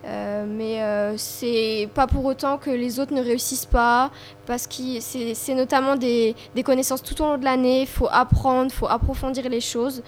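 A young woman with a high-pitched voice moderates a casual student discussion. She speaks conversationally and hesitates as she searches for words. A faint hum and some noise sit behind her. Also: steady tone, a little slow. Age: young adult. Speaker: student host of a round-table discussion.

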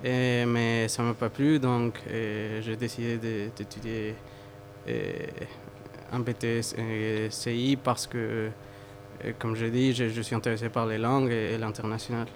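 Halting young man, flat pitch. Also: slight background noise. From Mexico. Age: 20s. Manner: halting, repeats words while searching. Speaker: student guest. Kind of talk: casual interview answers.

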